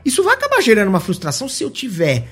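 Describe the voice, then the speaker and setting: A man with a Brazilian accent, co-hosting a podcast in an animated, joking, self-deprecating way. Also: sits high, racing, breathy edge. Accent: Brazilian Portuguese. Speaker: podcast co-host. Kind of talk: casual chat about tabletop games.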